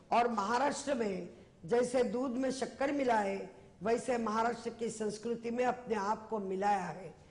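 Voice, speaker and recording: Someone with a Gujarati accent talks with fairly even intonation, and the room echo is audible. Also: woman, fairly high pitch for a woman. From Maharashtra, India (Mumbai). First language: Gujarati (speaking Hindi). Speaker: politician. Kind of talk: TV political interview.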